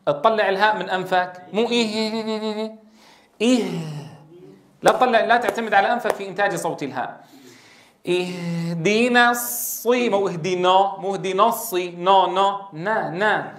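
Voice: medium pitch, moderate pace, roomy sound. A Quran recitation teacher giving a tajweed lesson, reciting verses melodically and drilling single syllables to correct pronunciation.

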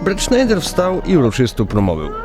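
A man's voice: on the high side, huge pitch swings, brisk. A man narrating a radio play as a scripted, wry literary story. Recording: music under the voice.

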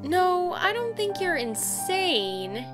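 An actress playing a skeptical, casual friend in an audio drama, speaking in a drawn-out, doubtful way. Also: female voice, very high-pitched, very animated, loud music behind the voice, full character voice.

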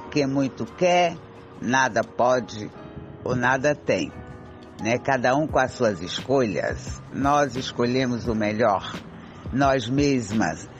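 A man acts a self-assured older Brazilian friend in a homemade radio soap, rallying the group slowly. The recording is dull, with music faintly behind. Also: mid-range voice. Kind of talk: amateur improvised radio soap acting. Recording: muffled voice clip with faint music.

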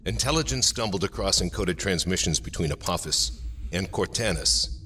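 An actor playing a coolly probing alien imperial captain in an audio drama, precise and formal. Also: male voice, low voice, lively intonation, moderate pace, bright, forceful tone, slight background noise.

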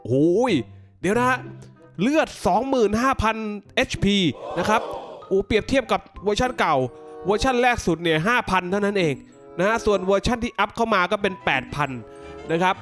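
Guy doing excited game commentary, really high voice, lots of exclaiming, music playing behind him. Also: a little fast. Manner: exclamatory, reacting aloud to the action. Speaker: gaming video host.

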